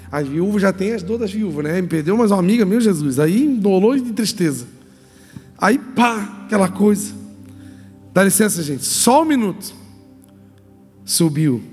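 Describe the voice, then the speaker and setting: Brief: Brazilian man preaching, high voice, long echoing hall reverb, animated and joking. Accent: Brazilian Portuguese. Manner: humorous, animated, acts out voices. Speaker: pastor. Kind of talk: sermon told as lively storytelling. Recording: reverberant hall, faint music.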